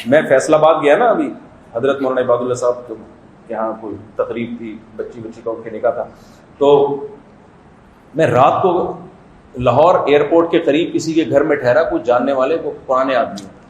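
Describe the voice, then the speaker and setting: A man's voice: on the high side, reverberant, slight background noise, poor audio. A man giving a humorous Islamic sermon as a mufti, telling stories in a joking, conversational way. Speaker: mufti giving a religious talk.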